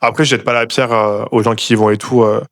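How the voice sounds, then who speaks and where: A man's voice: lowish voice, little pitch movement, fast, no room sound, clean studio sound. Rambling French man hosting a podcast. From Bordeaux, France. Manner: rambling, hesitant, many fillers, sarcastic. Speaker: podcast host. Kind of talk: casual comedic podcast rant.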